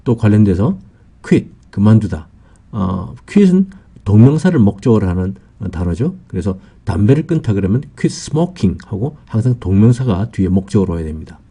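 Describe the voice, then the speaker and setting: Husky, dark-voiced man teaching vocabulary. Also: on the low side, very animated. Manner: slow and patient, many "어" fillers, lists meanings one by one. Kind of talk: explanatory lesson, unscripted.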